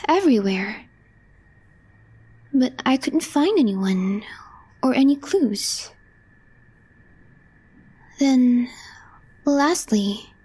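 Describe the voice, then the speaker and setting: Woman doing a kuudere coworker girl for asmr, slow n breathy, mellow tone, totally deadpan but secretly sweet on you. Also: high voice, full character voice, low-quality recording. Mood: deadpan, calm. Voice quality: soft, breathy, half-whispered. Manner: deadpan, measured, pausing between short phrases. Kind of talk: intimate ASMR roleplay, scripted.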